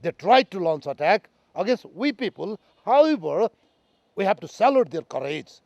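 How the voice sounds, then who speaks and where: A man from Nepal with a Nepali accent gives a history lecture in halting, non-native English, proud and emphatic. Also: high-pitched, big pitch swings, creaky, a little mellow, no echo, highs cut off. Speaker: speaker on military history. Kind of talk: lecture on history, addressed to listeners.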